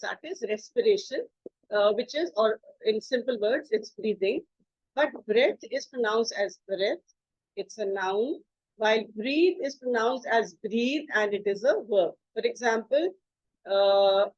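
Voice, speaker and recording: A woman English teacher talks through a presentation in a fairly high voice. She explains patiently, spells out words and leans on fillers as she thinks. The recording is dry and a bit muffled, like a basic home setup. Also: dry recording. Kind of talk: slide presentation lesson.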